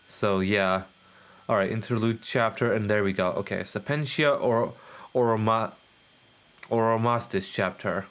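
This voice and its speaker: A man's voice: on the low side, a little slow, fairly bright tone, clean tone. A man doing casual live gameplay commentary, rambling, repeating himself and swearing offhand. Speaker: game livestreamer.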